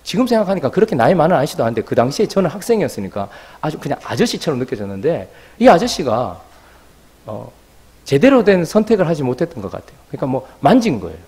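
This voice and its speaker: A man's voice: fairly high pitch, fast, husky. A man preaching a sermon as pastor, telling a story and acting out the voices of people in it. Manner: animated, acts out quoted voices.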